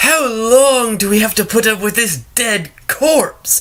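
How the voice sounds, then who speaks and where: A put-on character voice with a fairly high pitch delivers its lines at a fairly slow pace. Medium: read story. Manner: blunt, impatient.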